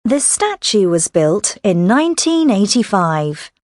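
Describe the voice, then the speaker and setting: A woman reading scripted answers and sentences for a listening exercise, in a clear, careful way. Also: medium pitch, very animated, a little slow, a little mellow, no echo, studio quality.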